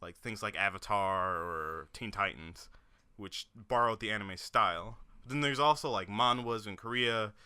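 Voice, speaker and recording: Young male podcast co-host, very bright crisp tone, rambling chatter. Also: on the low side, moderate pace. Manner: rambling, self-correcting, laughs often. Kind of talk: casual chat.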